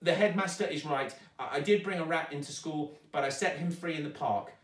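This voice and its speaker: A man's voice: on the high side, fairly quick, pitched above the performer's own voice, natural voice. A man voicing a stubborn, defiant little girl in a storybook, protesting indignantly, in a roomy recording. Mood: anxious protesting. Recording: roomy echo, distant microphone.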